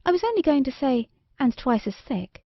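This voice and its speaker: A woman's voice: high-pitched, very animated, moderate pace, no echo, lo-fi sound, pitched above the performer's own voice, full character voice. A woman voicing a sweet, obliging young fairy-tale princess who speaks earnestly and eagerly. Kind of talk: storybook character dialogue.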